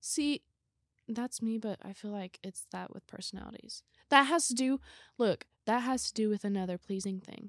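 A plain, everyday voice at a moderate pace with ordinary pitch variation, dry and close with no echo, in a very clean recording with a silent background. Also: woman, fairly high pitch for a woman. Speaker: guest. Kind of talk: casual chat.

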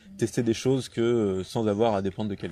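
This man's voice is fairly low, with a dark, mellow tone. His intonation stays fairly even. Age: 20s. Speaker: landscape gardener, business founder. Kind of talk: interview.

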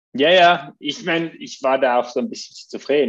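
A man talks at a moderate speed, and the background stays quiet. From Switzerland. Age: 40s. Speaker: self-employed copywriter, guest on sobriety podcast. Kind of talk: interview.

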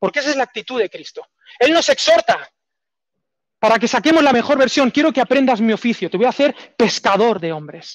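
With a Spanish accent, a man talks at a fairly quick pace in an extremely high pitch, his tone animated and his intonation lively, recorded dry and close with no echo. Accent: Peninsular Spanish. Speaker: preacher. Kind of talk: sermon. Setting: summer cinema, live audience. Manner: warm, exhortative, conversational; animated, humorous asides to audience.

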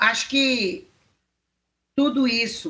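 A woman speaks at a very slow pace. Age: 60s. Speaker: mental health activist. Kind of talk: interview. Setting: video call. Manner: halting.

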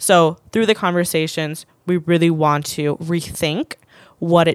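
The speaker, with a Spanish accent, goes at a fairly slow pace in a dry, close sound with no echo, on a very clean recording with a silent background. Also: woman. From Puerto Rico. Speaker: podcast host and social worker. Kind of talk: casual conversation.

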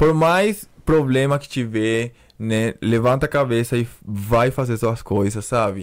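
At a very slow pace, a man of medium pitch speaks with ordinary pitch variation. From Paraguay. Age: young. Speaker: makeup artist. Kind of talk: interview.

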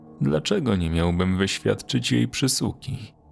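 A man's intonation stays lively while music plays in the background. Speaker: narrator reading a horror story. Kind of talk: ghost story telling, first-person creepypasta narration; scripted narration of a translated story. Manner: hushed, tense, slow-building; eerie and tender.

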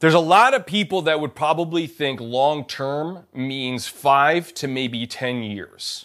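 A normal speaking voice from a man, fairly high in pitch, with ordinary pitch variation and a fairly slow pace, on a very clean recording with a silent background. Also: hardly any pauses. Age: 30s. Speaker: fitness podcast host and coach. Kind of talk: solo podcast monologue. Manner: casual, filler-heavy.

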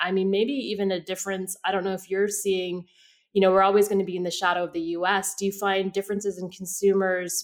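At a fairly quick pace, a woman speaks in an ordinary speaking voice at medium pitch. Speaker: podcast host. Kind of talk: interview.

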